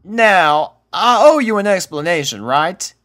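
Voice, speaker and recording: A man's voice: high voice, big pitch swings, unhurried, a bit bright, voice pushed up, heavily acted. A man voicing an easygoing female farm pony from a cartoon, with a Southern US accent and folksy country talk. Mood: explaining.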